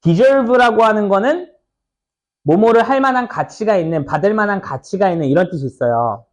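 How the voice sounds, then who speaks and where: A man teaching English test passages in a chatty, informal lecture. His voice sits high and swings widely in pitch. He keeps checking in with his students and slips into little acted-out scenes to make a point. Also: lively intonation, moderate pace. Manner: chatty, asks students "right?" often, acts out little skits. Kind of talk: lecture explaining an exam passage.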